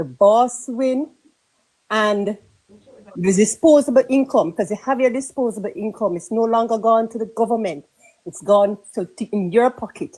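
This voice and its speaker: A woman speaks with a Jamaican accent at a fairly high pitch. Her tone is dark and mellow, with ordinary pitch variation. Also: moderate pace. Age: 60s. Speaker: political commentator. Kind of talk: political commentary.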